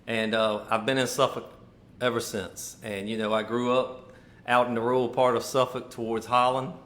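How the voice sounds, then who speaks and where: A Virginia man in his fifties, running for mayor, is interviewed in a casual conversation and answers in a loose, easygoing, rambling way. His medium-pitched voice is level and a bit bright at normal speed, with a roomy, echoey sound.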